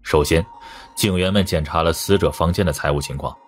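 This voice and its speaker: A man's voice: rumbling low, brisk. A man reading a first-person crime novel as scripted narration. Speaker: audiobook narrator. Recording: music under the voice. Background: background music.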